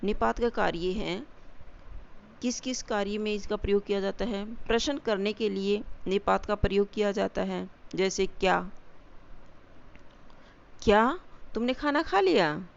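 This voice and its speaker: A woman teaching a grammar lesson, explaining slowly and deliberately and repeating example sentences. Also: mid-range voice, steady tone, gravelly, highs cut off.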